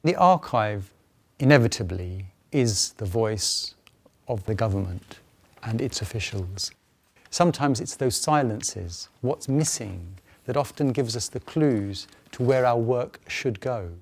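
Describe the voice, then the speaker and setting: A man's voice: mid-range voice, animated, measured pace, a little mellow. A man explaining a research project in interview style.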